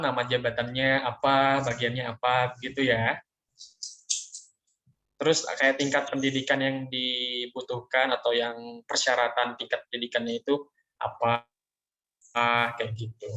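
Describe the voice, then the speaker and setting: A man's voice: mid-range voice, sharp tone. A young man, a student interviewer, asking questions politely and hesitantly over a video call with many fillers. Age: young adult. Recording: muffled video call audio.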